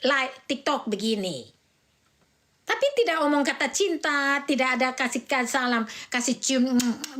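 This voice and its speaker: A woman's voice: high-pitched, a bit bright. A middle-aged woman from Indonesia, a mother scolding and ranting angrily and repetitively on a livestream. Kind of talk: heated livestream rant.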